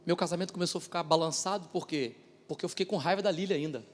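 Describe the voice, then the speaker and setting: Male pastor, high-pitched, testifying emphatically, shifting from loud bursts to near-whispers; church hall with long reverb. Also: rapid-fire, faint music behind. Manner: emphatic storytelling, swinging between loud outbursts and hushed asides. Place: church service.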